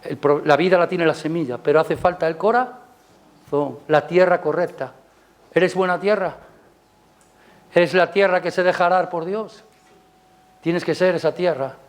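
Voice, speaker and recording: A man with a Spanish accent preaching a Sunday sermon in church, chatting with the congregation through rhetorical questions, his voice climbing loud on key points and dropping soft. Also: measured pace, pauses often. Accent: Spanish from Spain. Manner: rises loud and high on emphasis, drops soft. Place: church service.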